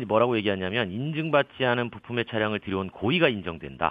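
A man with a normal speaking voice talks at a fairly quick pace, with hardly any pauses. His pitch is medium and his intonation lively. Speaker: automotive journalist. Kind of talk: radio expert interview. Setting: phone call.

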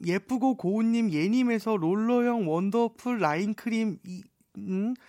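The sound is dry and close with no echo, and the pitch variation is ordinary. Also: man. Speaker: radio guest panelist. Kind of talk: casual chat. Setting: studio.

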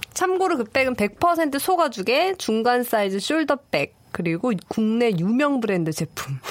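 A woman with a high voice speaks very slowly with hardly any pauses, her pitch swinging very widely. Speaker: radio announcer. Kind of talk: casual radio chat and reading listener letters. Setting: radio studio.

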